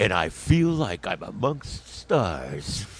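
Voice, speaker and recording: Using a put-on character voice, a man talks very slowly at a fairly low pitch with very wide pitch swings. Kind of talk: dramatic trailer narration.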